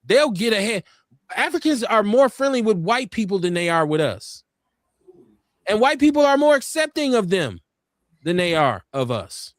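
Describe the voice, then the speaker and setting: A man from the United States with an urban Black American accent hosts a live online talk show, speaking casually at normal speed and reading viewer comments aloud. He's animated and grows preachy as he makes his points, jumping high in pitch for emphasis, in a dry recording.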